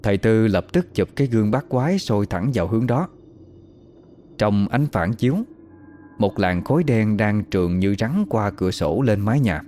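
Deep-voiced man narrating a horror tale. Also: a little hiss or hum. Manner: slow, even, suspenseful. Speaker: storyteller. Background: faint music.

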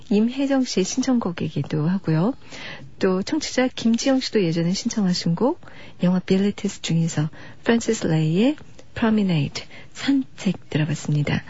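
A woman hosting a late-night radio music show, talking softly and unhurriedly as she introduces songs and reads listener letters. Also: medium pitch, breathy edge. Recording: dull lo-fi radio broadcast archive.

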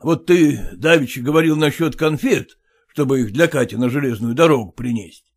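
A man's voice: mid-range voice, natural voice. A man doing a stern, lecturing father-in-law. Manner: lecturing, scolding, drawn-out.

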